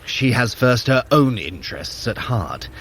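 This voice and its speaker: An actor playing a sly, sardonic trickster god in an audio drama, speaking in an articulate, theatrical, wry way. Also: male voice, medium pitch, very animated, measured pace, a bit bright, slight background noise. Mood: calculating. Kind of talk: scripted audio drama acting.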